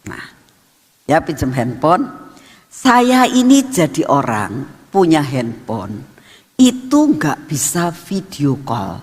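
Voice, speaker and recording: A woman's voice: sits low, sing-song, slow, long pauses, darkish tone, big-room sound. An older woman preaching a sermon, telling a family story and addressing her listeners as brothers and sisters. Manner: storytelling, acting out family dialogue.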